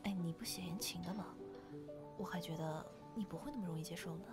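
A woman's voice: on the low side, fast, vocal fry, over music. A woman acting an easygoing, curious female friend in an audio drama. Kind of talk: fan audio drama dialogue.

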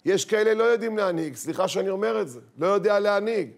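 A middle-aged rabbi giving a lively talk to an audience, asking rhetorical questions and acting out the voices in his stories. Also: high voice, vocal fry. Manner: animated, acts out quoted voices, rhetorical questions.

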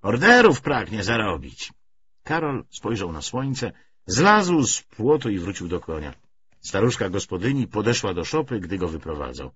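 A man's voice: lowish voice, very animated, moderate pace, a little hiss or hum. A man reading a literary novel aloud as an audiobook narrator, on a slightly dull recording.

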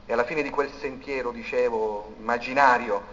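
A man preaching a sermon, swinging between loud declaiming and hushed, intimate passages. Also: medium pitch, fairly even intonation, brisk. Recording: dull recording in a reverberant hall.

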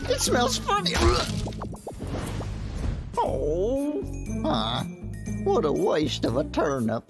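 A woman voicing a small, greedy, excitable male forest rodent in a cartoon, folksy and exaggerated. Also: mid-range voice, very slow, full character voice. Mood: startled, excited. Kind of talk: animated cartoon dub. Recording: music behind the voice.

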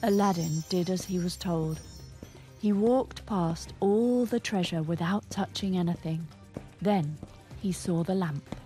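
A woman narrates a children's tale in a clear, teacherly voice. She takes her time over each phrase, and light music plays in the background. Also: fairly low pitch, dark tone. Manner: clear, slow, teacherly storytelling. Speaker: storyteller. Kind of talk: bilingual children's story narration in English.

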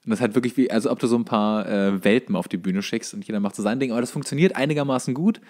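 A man's voice: fairly low pitch, very fast, darkish tone. Casual, rambling man chatting. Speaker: podcast co-host. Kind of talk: casual chat.

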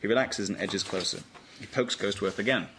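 A man's voice: on the low side, a little fast, fairly bright tone. A man reading stage directions as narrator in a scripted table read. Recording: noisy informal room recording.

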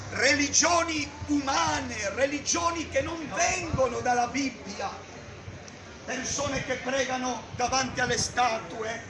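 A middle-aged man preaching loudly on a busy town street, declaiming and gesturing, filmed from a distance by a camera. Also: very high-pitched. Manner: loud, declaiming, gesturing with a Bible. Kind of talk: open-air street preaching. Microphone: far camera. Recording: echoey street with crowd noise. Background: crowd and passers-by.

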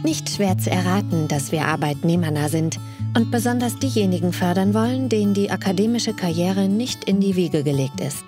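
Woman, scripted narration, even presenter delivery, low-ish voice, guitar behind. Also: normal speed. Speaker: foundation narrator. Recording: music bed underneath.

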